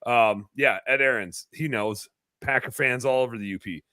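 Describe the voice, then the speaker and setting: A man hosting a podcast, laid-back and joking as he reads listener comments aloud. His voice is bright and tense, recorded close and dry on a studio mic. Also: medium pitch, normal speed, dry recording. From Wisconsin. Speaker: podcast host. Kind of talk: casual chat.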